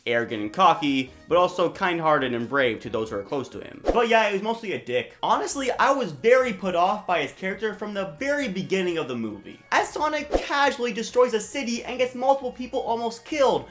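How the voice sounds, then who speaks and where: A woman hosting a video essay in a casual scripted style, with sarcastic, self-deprecating asides and the odd stumble over words. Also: mid-range voice.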